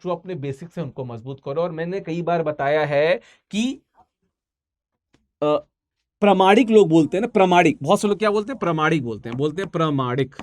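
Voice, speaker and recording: A man's voice: fairly high pitch, a little fast, dry recording. A man teaching an online exam-prep language class, talking casually and repeating each answer several times.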